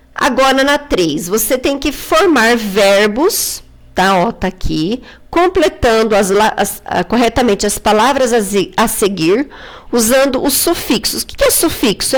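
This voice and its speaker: Brazilian woman, schoolteacher recording a lesson; patient, checks in with students constantly. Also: on the high side. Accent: Brazilian Portuguese. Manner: explains patiently, asks questions and answers them herself; checks in often with "tá?" and "tudo bem?". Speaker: teacher.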